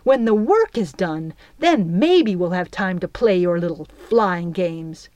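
A woman's voice: fairly low pitch, animated, slow, a little mellow, no echo, highs cut off. A woman voicing a stubborn young girl leader who speaks in a cool, cutting way.

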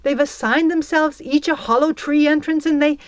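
A woman voicing a proud, bitter aging female fairy who talks high, huffy and plaintive. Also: sing-song, unhurried, dry recording. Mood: wailing.

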